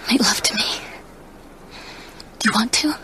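A woman's voice: fairly high pitch, measured pace, sharp tone, in a whisper. An actress playing a young, curious small-town girlfriend in a radio drama, direct and intimate in manner. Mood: tender. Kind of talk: naturalistic radio drama dialogue.

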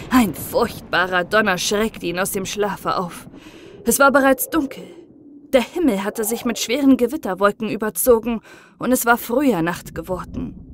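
A woman's voice: on the high side, a little hiss or hum. Woman reading a bedtime fairy tale. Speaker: audiobook narrator. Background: soft background music.

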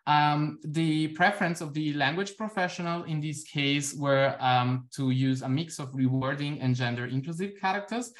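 A young man presenting research on a video call, explaining steadily with frequent ums. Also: medium pitch. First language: Italian. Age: young adult. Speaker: conference presenter. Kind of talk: academic talk and Q&A answer. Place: indoor room at home. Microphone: laptop webcam on a video call.

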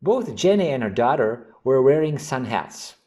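Man teaching vocabulary, lively mellow voice. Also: mid-range voice. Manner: slow, carefully enunciated reading of example sentences. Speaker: English teacher. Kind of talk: vocabulary lesson narration.

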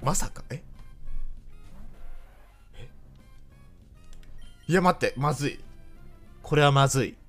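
Lively joking Japanese man playing a game. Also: medium pitch, slow, pauses often, soft background music. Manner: playful, teasing, talks to himself and viewers. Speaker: game streamer. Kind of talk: joking let's-play commentary.

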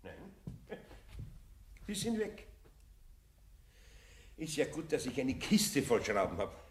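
A man's voice: medium pitch, very animated, takes it slowly, a little hiss or hum. A man playing a grumbling but good-natured older master carpenter with a Bavarian accent in an audio drama. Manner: muttering to himself, exclaiming.

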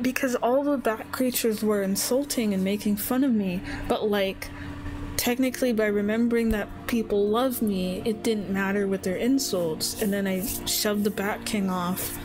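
A woman's voice: mid-range voice, rough recording. A young woman giving casual, chatty let's-play commentary, musing aloud as she plays. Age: young adult. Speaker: game streamer.

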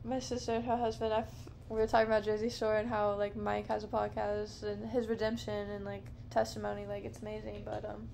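A woman in her thirties hosting a podcast alone, rambling slowly and softly in a dim living room at night, with many fillers. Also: medium pitch, completely flat delivery, creaky, a little hiss or hum. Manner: slow, meandering, soft-spoken with many fillers. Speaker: podcast host. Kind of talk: rambling casual monologue. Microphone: camera close up, handheld or on a low stand.

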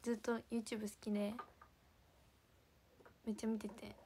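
A woman's voice: medium pitch, level tone, normal speed, mellow, slight background noise. A young woman chatting casually to viewers on a livestream, giggling and sometimes dropping to a whisper. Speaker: idol livestream host.

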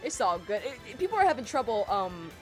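A young woman hosting a casual game stream, loud and excitable, her throat strained from screaming. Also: a little high, fast talker. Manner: loud, excitable, shrieks at plays. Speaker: streamer host. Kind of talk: casual gaming stream chat. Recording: light game music behind.

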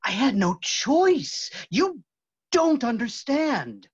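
A man playing a tormented, obsessive phantom in a staged reading, halting and dramatic, moving between hushed and loud. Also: very high-pitched, very animated, slightly rough, no echo, full character voice. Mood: anguished. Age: middle-aged. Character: tormented, obsessive masked phantom, possessive male lover. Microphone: computer mic on video call. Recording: muffled video call audio.

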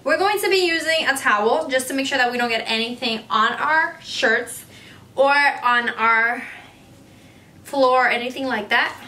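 Her voice sits high and sounds pushed and bright as this young Puerto Rican-accented beauty vlogger moves at a moderate pace through a DIY tutorial from home. Playful and chatty, she giggles and laughs between phrases, with faint music in an echoey room.

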